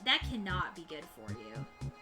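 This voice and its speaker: A woman's voice: deep voice, very animated, measured pace. A young woman hosting a casual game livestream, bubbly and rambling. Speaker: livestream host. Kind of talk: casual game stream chat. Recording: live stream with loud game music.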